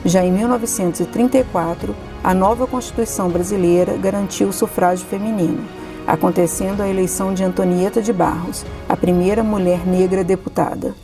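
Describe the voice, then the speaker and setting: Woman, scripted narration, steady, formal, gravelly voice. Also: mid-range voice, a little fast, music in the background. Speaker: documentary narrator.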